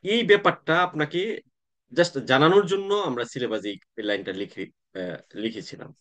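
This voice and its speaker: A man, teaching an online class in a relaxed, conversational way, often pausing to check that students follow. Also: mid-range voice. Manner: conversational teaching with frequent "তাই না?" check-ins and hesitations. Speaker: tax exam coaching instructor.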